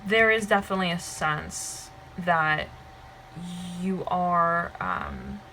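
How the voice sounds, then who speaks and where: A woman with a slightly hoarse voice gives a tarot reading to her viewers, meandering and checking in with "okay?" and "right?". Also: fairly low pitch, bright, forceful tone, a little hiss or hum, rough recording. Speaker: tarot reader.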